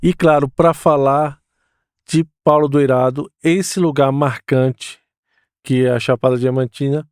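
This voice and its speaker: A man's voice: mid-range voice, fairly even intonation, unhurried, a little mellow, smooth, no room sound, studio quality. A man hosting a podcast interview, talking in an enthusiastic, welcoming way. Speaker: podcast host.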